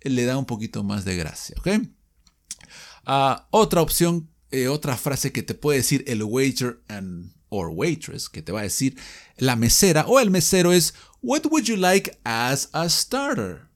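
A male teacher giving a language lesson, lively and explanatory, repeating example phrases slowly. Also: mid-range voice. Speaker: English teacher.

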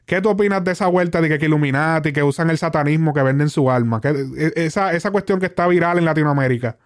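Clear-voiced Caribbean man speaking casual Spanglish. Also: a little high, quick pace. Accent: Caribbean Spanish. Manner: Spanglish, switching between Spanish and English. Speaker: interviewer and show host. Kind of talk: casual conversational interview.

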